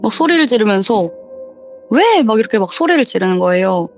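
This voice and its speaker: This caller, a young woman in her twenties, speaks at a quick pace in an animated, medium-pitched voice as she recounts a true scary story, casually acting out people's lines. It's a voice call with the highs cut off and soft music in the background.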